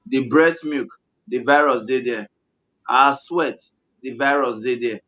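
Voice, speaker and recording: A man with a West African accent gives a health lesson in Pidgin English as a doctor and co-host, haltingly, with repeated phrases and checking tags. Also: mid-range voice, fairly bright tone, poor audio.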